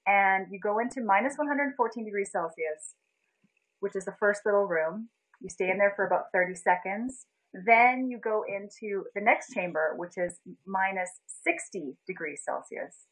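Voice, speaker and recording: A woman's voice: medium pitch, moderate pace, rough recording. A young woman from Canada chatting casually on a livestream, telling a story with lots of laughs and greeting viewers by name. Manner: chatty, animated storytelling, laughs often, reads out viewer names. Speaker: livestream host.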